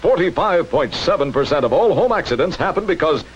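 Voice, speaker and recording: An actor voicing a vain, pompous square-jawed hero in a 1960s cartoon. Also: male voice, on the high side, expressive, fairly quick, a little hiss or hum, close to an everyday voice, low-quality recording. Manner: smug, pompous hero talk.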